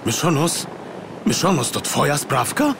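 A man's voice: on the high side, big pitch swings, measured pace, creaky, noisy background, voice pushed up, exaggerated voice. A man voicing a jumpy, indignant detective in an audiobook, stammering and protesting. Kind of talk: audiobook character voice.

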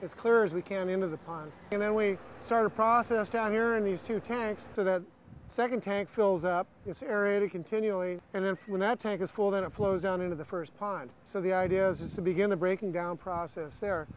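A high-pitched American man explains things practically as he leads a walking tour of an industrial site. He talks off the cuff, with faint outdoor and machinery noise behind him. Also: fairly quick. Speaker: brewery staff giving a tour. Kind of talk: unscripted walk-through explanation.

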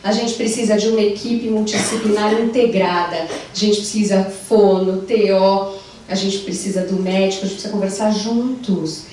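A woman's voice: medium pitch, moderate pace, a little hiss or hum. Brazilian woman lecturing in an echoey hall. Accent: Brazilian Portuguese. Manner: animated, gestures while walking the stage. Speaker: psychologist giving a lecture. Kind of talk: conference talk. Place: large wood-panelled lecture room. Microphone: handheld mic, far camera. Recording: echoey room recorded from far off.

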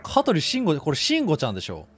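A young man commentating live on a horror game in rough casual speech, blurting exclamations and sarcastic quips. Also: a little high, wildly swooping pitch, fast, a bit bright, soft background music. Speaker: game streamer. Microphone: desk streaming mic, indoors.

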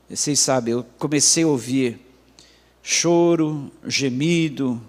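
A middle-aged male pastor telling a dramatic personal testimony in a sermon, dropping into hushed low passages. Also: takes it slowly. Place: church hall. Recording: long hall reverb.

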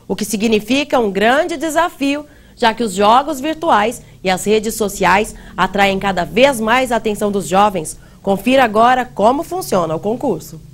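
A woman's voice: sits high, dry recording. A young woman presenting a read news bulletin in a TV studio on a lapel mic. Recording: faint music bed.

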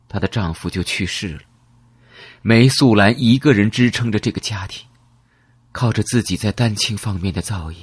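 A man with a very low, husky voice reads a mystery novel in an emotive, first-person storytelling way. The recording sounds close, dry and intimate. His tone rises and falls with the drama of the tale. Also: no echo. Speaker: audiobook narrator. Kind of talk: dramatic audiobook narration.

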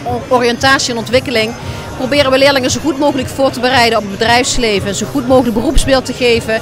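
A woman's voice: fairly high pitch, fairly even intonation, quick pace, music in the background. A middle-aged woman, explaining an event in an interview. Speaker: event spokesperson. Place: large busy indoor event hall. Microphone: handheld interview microphone.

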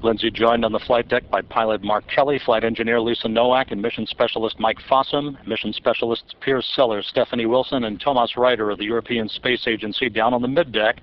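A man calls a rocket launch live, reading out times, altitudes and speeds in a steady, measured delivery. His voice sits in a middle pitch. The broadcast audio sounds somewhat dull and muffled. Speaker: launch commentator. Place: mission control.

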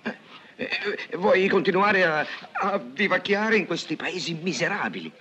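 An actor playing a sly, wheedling drifter in a dubbed 1960s western. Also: male voice, sits high, expressive, a little slow, bright, forceful tone, highs cut off, a little hiss or hum, exaggerated voice. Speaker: wandering drifter and schemer. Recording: film soundtrack with music behind.

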